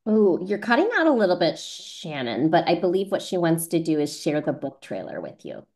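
A woman's voice: fairly low pitch, sing-song, fairly quick, a little mellow. A woman casually hosting a video call in a reassuring, encouraging way. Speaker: online event host.

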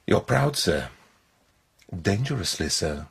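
An actor playing a haughty, menacing count in a radio drama, condescending and silkily threatening, with a raspy, breathy voice. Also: male voice, low-pitched, big pitch swings, slow pace, full character voice. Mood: cold, menacing. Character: haughty, menacing aristocratic count, powerful patron and villain. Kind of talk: theatrical radio drama acting.

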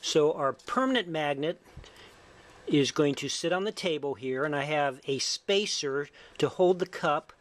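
A middle-aged man narrating an instructional demonstration as a lecturer, in a measured, explanatory way. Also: on the high side. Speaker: physics lecturer. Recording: faint background noise.

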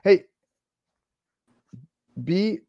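A man's voice: drawn-out words, dry recording, lo-fi sound. A man hosting a podcast interview, asking loose, rambling questions and restarting them often. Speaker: podcast host. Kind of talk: casual interview.

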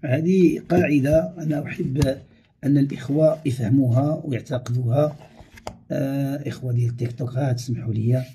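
A man's voice: medium pitch, fairly quick, mellow, slight background noise. A man with a Moroccan Arabic accent, answering viewers' questions on a live stream and reading them aloud with frequent pious phrases.

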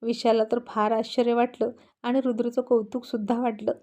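A woman storyteller reading a serialized family story in an expressive, lively way. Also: on the high side, a little fast.

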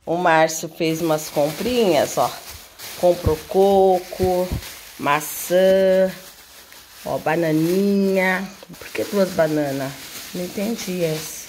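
A woman's voice: on the low side, darkish tone, slight background noise. A young Brazilian woman chatting in a casual home vlog, affectionate and laughing often. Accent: Brazilian Portuguese. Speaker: vlogger and mother. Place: home, indoors.

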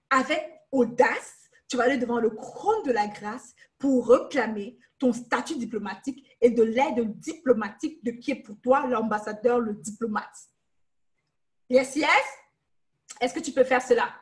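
A young woman with a slightly high voice leads a Bible study, seated in her living room and speaking into a webcam. She teaches with emphasis, repeating key phrases over and over and dropping in English words as she goes. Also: a little slow. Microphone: webcam on a video call.

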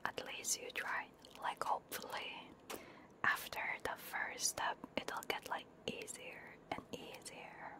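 A woman chatting casually to viewers as an ASMR streamer, in a soft, often whispered voice with a playful manner, very close to a binaural microphone. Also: slow. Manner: playful, giggly. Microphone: close binaural ear microphone.

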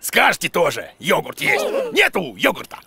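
A man voicing an excitable, muddled bearded creature who teaches in a children's cartoon, theatrical and grumbling. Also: high voice, fairly quick, gravelly, a crowd in the background, heavily acted. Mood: dramatic despair. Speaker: teacher, main character. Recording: music behind the voice.

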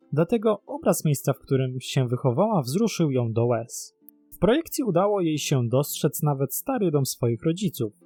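Animated, high-pitched man telling mysteries. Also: husky, dry recording. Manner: dramatic, posing rhetorical questions. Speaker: narrator and host of a mystery series. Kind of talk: scripted documentary-style storytelling narration.

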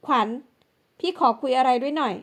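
A woman performs a scheming, spoiled older sister in an audiobook drama. The voice sits high, and she talks in a coaxing yet bossy way, always pushing blame onto others. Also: brisk, lightly acted. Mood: pushy, blaming. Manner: bossy and pushy.

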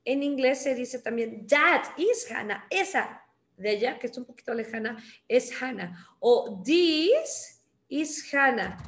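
A woman with a Mexican accent teaching beginner English, explaining in Spanish and slowly modeling English phrases with translations. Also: sits high, lively intonation, fairly bright tone.

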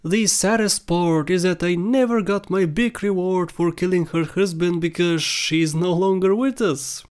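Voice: mid-range voice, measured pace, darkish tone, clean tone. Gaming countdown video narrator. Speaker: video host. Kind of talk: scripted video commentary.

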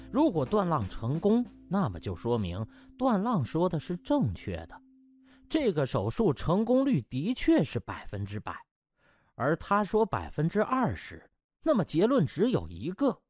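Guy narrating an audiobook, dramatic storyteller, really animated, slightly high voice, music underneath. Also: slightly rough.

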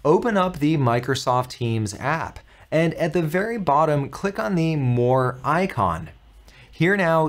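Hosting a software tutorial that walks through each step, an American man in his thirties speaks on the high side. He sounds upbeat and instructive, articulating every word clearly.

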